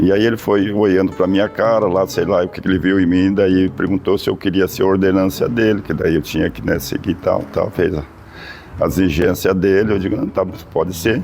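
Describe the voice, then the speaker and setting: Over noticeable background noise, a man speaks at a moderate pace in a very deep, low voice. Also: ordinary pitch variation. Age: 70s. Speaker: Afro-Brazilian religious elder. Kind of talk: documentary interview testimony.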